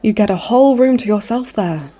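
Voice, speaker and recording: A woman's voice: mid-range voice, expressive, fairly quick, warm tone, natural voice. A woman playing a cheeky, smug supervillain in a comedy audio roleplay, with a breezy, teasing way of talking. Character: cocky, cheeky supervillain woman, a chummy hospital frequent flyer.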